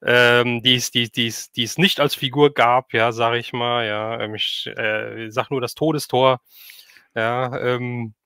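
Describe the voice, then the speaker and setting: Bright-voiced man hosting a casual chat. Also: medium pitch, flat delivery, measured pace, smooth, no echo, clean studio sound. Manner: rambling questions, frequent affirming interjections. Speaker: livestream host, interviewer.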